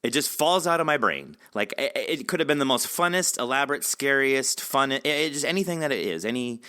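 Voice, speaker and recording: A man hosting a casual interview, talking in a rambling, animated way and acting out his reactions. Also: medium pitch, brisk, smooth. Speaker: podcast host interviewing an author.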